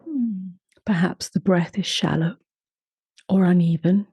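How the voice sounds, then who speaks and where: Slow, breathy woman guiding meditation. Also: lowish voice, dry recording. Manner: slow, soft-spoken, often trails into whispers; hums "mm" between phrases. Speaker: meditation teacher. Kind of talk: guided meditation.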